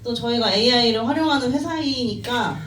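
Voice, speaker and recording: A woman in her thirties gives a personal talk, modest and quick to laugh at herself. Her voice sits a little high. She sounds distant from the mic, in a roomy, echoing space. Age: 30s. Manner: modest, self-deprecating, laughs often. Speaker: team member giving a talk at a company meeting. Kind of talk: personal story talk to an audience. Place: meeting room. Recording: echoey room, distant mic, faint noise.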